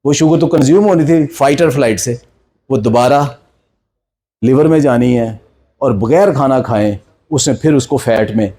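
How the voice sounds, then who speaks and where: A man's voice: mid-range voice, normal speed, dark tone. A man in his sixties with a Pakistani Punjabi accent gives an informal health lecture, exhorting listeners in colloquial speech mixed with English terms. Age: 60s. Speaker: health speaker.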